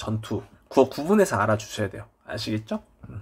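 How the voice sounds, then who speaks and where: A man's somewhat breathy voice, moderately paced, full of very wide pitch swings. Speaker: history teacher. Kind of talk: lecture.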